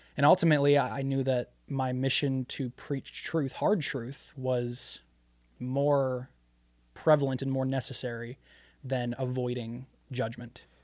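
A man speaks fairly slowly in a monotone, flat intonation. The recording is very clean, with a silent background. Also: medium pitch for a man. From New York State, partly raised in Papua New Guinea. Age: 20s. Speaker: missionary and video creator. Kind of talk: casual interview.

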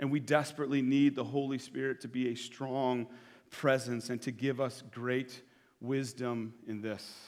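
On a very clean recording with a silent background, a man speaks fairly slowly at medium pitch with monotone, flat intonation. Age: 40s. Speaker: pastor. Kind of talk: sermon. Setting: church.

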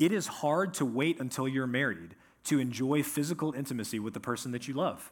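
On a very clean recording with a silent background, a plain, everyday voice moves at a fairly quick pace with ordinary pitch variation. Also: man, fairly high pitch for a man. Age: 40s. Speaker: pastor. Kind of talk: sermon.

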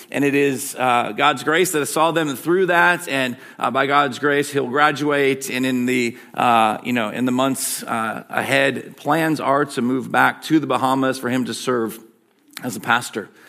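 With a Michigan accent, a man speaks at a medium pitch and a fairly slow pace. His pitch variation is ordinary, and there is noticeable background noise. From US Midwest. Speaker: pastor. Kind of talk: introduction and prayer. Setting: church.

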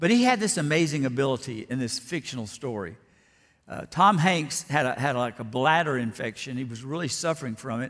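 In a Texan accent, a man at medium pitch talks at a fairly quick pace with lively intonation, on a very clean recording with a silent background. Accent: Texan Southern US. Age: 60s. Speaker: pastor. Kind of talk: sermon. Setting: church.

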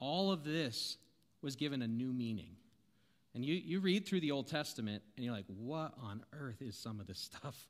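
Using an unremarkable speaking voice, a man talks at a moderate pace with lively intonation and a medium pitch. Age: 40s. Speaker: preacher. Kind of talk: sermon. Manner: casual, self-deprecating with frequent laughs.

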